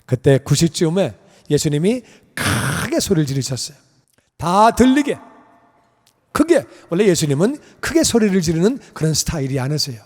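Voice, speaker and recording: Middle-aged male pastor, sermon storyteller, slightly high voice, big reverberant sanctuary. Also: normal speed. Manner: animated storytelling, acting out dialogue. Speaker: pastor and missionary. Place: church sanctuary. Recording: long church hall reverb.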